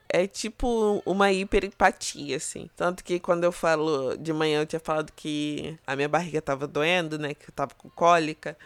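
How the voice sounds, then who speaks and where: A woman's voice: fairly low pitch, clean tone, no room sound. A woman chatting on a podcast, telling a personal story with many casual fillers.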